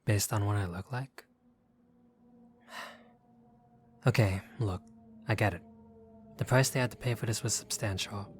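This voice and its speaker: A man's voice: on the low side, a little slow, pauses often, slight background noise, lightly acted. A man playing a wary, streetwise young gangster for hire in a roleplay audio drama, guarded and sardonic, with casual street talk. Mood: suspicious, exasperated.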